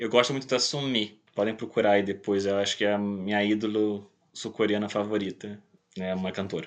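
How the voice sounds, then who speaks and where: A man speaks in a monotone with flat intonation. The background is quiet. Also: fairly low pitch for a man, moderate pace. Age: 20s. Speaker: political scientist living abroad. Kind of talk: interview. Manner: halting, with frequent repetitions.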